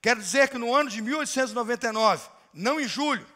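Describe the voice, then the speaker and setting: A man preaching a sermon in a large church, telling a story dramatically and rising to shouted climaxes. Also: very high-pitched, animated, quick pace. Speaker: pastor. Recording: long hall reverb of a church.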